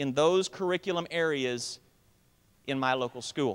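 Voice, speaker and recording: A man with a slight South Missouri accent and lively intonation. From rural southern Missouri, US. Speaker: school board association president. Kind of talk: formal speech. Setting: conference hall with audience. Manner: formal.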